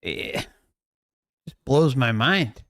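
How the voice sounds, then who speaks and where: A man's voice: medium pitch, expressive, extremely slow, fairly bright tone, dry recording, clean studio sound. A man hosting a livestream with casual, unscripted commentary, earnest and questioning in manner. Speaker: host of an online livestream.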